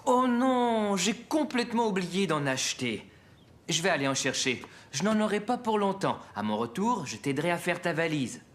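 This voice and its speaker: Papa de dessin animé très expressif. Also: male voice, high voice, very animated, normal speed. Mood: good-natured. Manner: friendly, reassuring. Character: good-natured, helpful father of a small boy. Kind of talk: children's cartoon dubbing.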